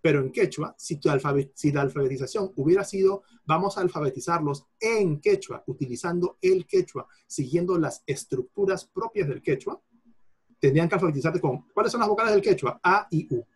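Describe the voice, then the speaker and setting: A lecturer on Quechua linguistics answers a participant's question in an explanatory lecture to an audience. His voice is slightly husky and a bit higher than most men's, with lively intonation and a slightly fast pace. Patient and teacherly, he repeats examples and breaks off phrases to restart them.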